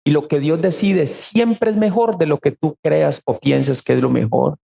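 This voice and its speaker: A man's voice: a little high, a little slow, creaky, warm tone, husky. A man with a Costa Rican Spanish accent, a pastor telling a personal story in an earnest sermon. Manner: earnest storytelling, quoting people in raised voice.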